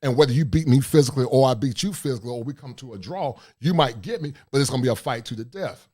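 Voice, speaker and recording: Middle-aged male livestream host, deep forceful voice, preachy monologue. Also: fast, slightly rough. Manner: forceful, preachy, reads chat aloud. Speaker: host of a livestream talk show.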